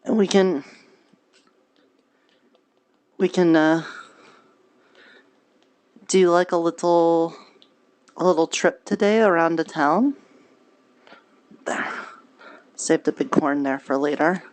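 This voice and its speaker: A woman roleplaying an earnest, naive, cheerful young preacher, talking in a halting, childlike way with folksy grammar. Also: deep voice, a little mellow. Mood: musing. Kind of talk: improvised virtual reality roleplay.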